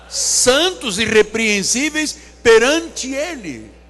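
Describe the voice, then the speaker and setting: Animated in tone, a man speaks with lively intonation as noticeable background noise carries on behind him. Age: 60s. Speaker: pastor. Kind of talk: sermon. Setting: church.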